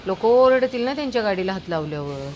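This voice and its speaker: A woman's voice: mid-range voice, animated, quick pace, background noise. A woman chatting casually while walking a dog outdoors on a sunny street, calling out in a coaxing, sing-song way to a toddler and the dogs. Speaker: dog owner vlogger.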